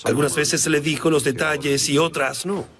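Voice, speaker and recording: A man, an investigator, recounting a case in a documentary interview, reflective and pausing with fillers. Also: a little high, fairly even intonation.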